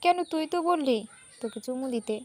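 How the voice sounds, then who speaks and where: A woman voicing a cheeky, teasing young male college student in a read-aloud story, her voice high. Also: animated, moderate pace.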